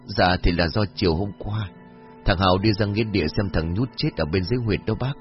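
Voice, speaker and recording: A man's voice: deep voice, brisk, natural voice. A man voicing a serious, earnest young village man. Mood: evasive. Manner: grave and earnest. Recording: dull lo-fi audio with faint music.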